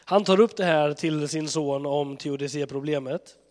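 A congested man preaching in a searching, conversational sermon, his voice sitting slightly high. Long reverb follows him around a church hall. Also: darkish tone. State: has a cold.

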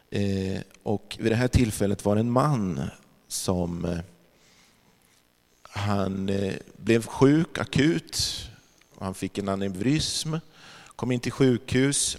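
A man with a lowish voice tells a spiritual testimony, sermon-style. He speaks reflectively, pausing often and hesitating with fillers. His voice rings out with a long reverb, as in a large hall. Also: darkish tone. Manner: reflective storytelling with pauses and fillers.

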